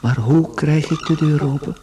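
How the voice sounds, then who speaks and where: An actor playing a travelling salesman turned insect in a radio play, meek, earnest and strangely calm, speaking slowly and deliberately. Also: a little high, a crowd in the background, lightly acted. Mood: anxious resolve. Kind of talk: Dutch-language radio play acting.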